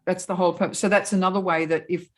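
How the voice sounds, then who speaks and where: Woman, lowish voice, steady explainer, video call. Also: very fast. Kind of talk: online meeting discussion.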